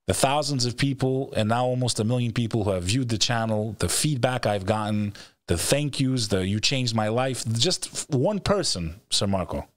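With a mid-range, lively voice at a moderate pace, a middle-aged host delivers emphatic, profane motivational interview talk, repeating phrases to drive them home. He speaks into a close studio microphone on a stand in an indoor studio setup on a video call, with no room sound.

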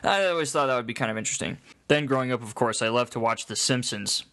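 A man's voice: medium pitch, quick pace, pushed and bright. A young man in his twenties, a voice actor chatting upbeat through his demo reel in a small home studio on a condenser mic. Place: small bedroom studio, indoors. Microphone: studio condenser mic, headphones.

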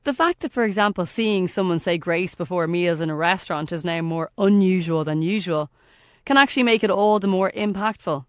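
A woman's voice: fairly low pitch, a little fast, smooth, no room sound, clean studio sound. An Irish woman hosting a faith podcast, reading a scripted reflection with earnest emphasis. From Ireland. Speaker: podcast host.

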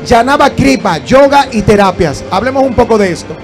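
A man in his thirties hosting a TV interview at a trade fair, upbeat and quick with his questions on a handheld mic. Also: very high voice, lively intonation, over music. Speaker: TV show host. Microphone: handheld microphone.

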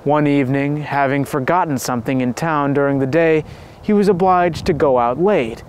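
A male storyteller reads a devotional tale in an earnest, measured manner. His voice sits a touch higher than most men's, with a faint noise floor underneath. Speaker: narrator and channel host.

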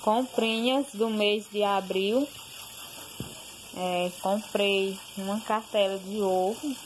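A woman's voice: mid-range voice, steady tone, slow pace. A woman casually talking through her meals and monthly groceries in a kitchen, listing items plainly with fillers. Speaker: home cooking and grocery vlogger. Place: home kitchen. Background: pressure cooker hissing.

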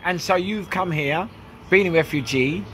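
A man interviewing a cafe owner on a handheld phone, excitable, laughing often and tripping over his questions. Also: high voice, moderate pace, slight background noise. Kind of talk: casual street interview. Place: small cafe, indoors.

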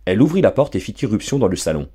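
A man reads a storybook for an audiobook with a theatrical flair. His pitch swings widely across a lowish, husky voice. The delivery stays expressive throughout. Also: very fast. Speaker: audiobook reader. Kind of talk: storybook narration.

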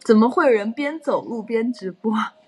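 A woman's voice: on the high side, a little fast, breathy edge. A young adult woman chatting casually on a livestream and telling stories animatedly with frequent laughs.

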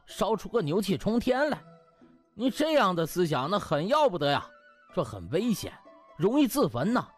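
A cocky young male doctor, voiced by a male narrator, in a comic audiobook. He speaks high and swooping, with sarcastic mock deference and singsong needling, over faint music.

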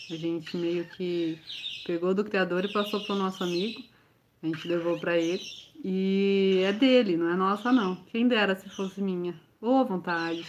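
A woman with a Brazilian accent hosting a casual livestream as a bird breeder, answering viewer questions one after another. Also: mid-range voice. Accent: Brazilian Portuguese. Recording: slightly dull livestream audio, faint noise.

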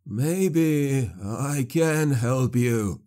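A man voicing a broken old male sorcerer, locked in a cage, speaking slowly with a wheezing sneer. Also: medium pitch, dark tone. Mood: fawning. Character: broken old male sorcerer, caged, mocking then fawning.

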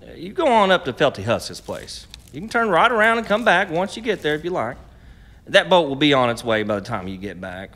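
A male actor plays a guarded, protective frontier storekeeper in a radio play. His voice is bright and hard-edged, with lively movement in pitch. He speaks in a dry, folksy, stubborn way. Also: a little fast. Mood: wary, protective. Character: wary, stubborn, protective riverside stand keeper. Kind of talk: period radio drama acting.

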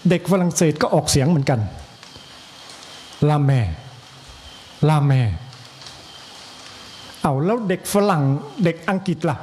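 A monk with an Isan accent giving an evening sermon, slow and measured, with pauses and repetition and a joke now and then for the listeners. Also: male voice, a little high, darkish tone, a little hiss or hum. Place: temple hall.

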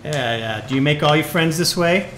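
A woman's voice: deep voice, moderate pace, fairly bright tone, slight background noise. A woman acting a bitter, wisecracking retired male jazz musician in a live noir audio play, talking in hep-cat slang. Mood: sardonic, weary. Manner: hep-cat slang, sardonic, stammers when rattled. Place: live on stage in a club.

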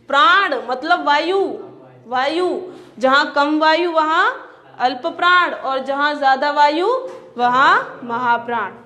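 High-voiced woman teaching slowly. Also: bright, forceful tone. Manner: repeats sounds and asks the class questions. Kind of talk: classroom lecture.

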